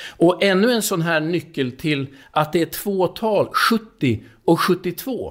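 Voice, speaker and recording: On a very clean recording with a silent background, a man speaks very slowly in a high voice with ordinary pitch variation. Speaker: pastor. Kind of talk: sermon.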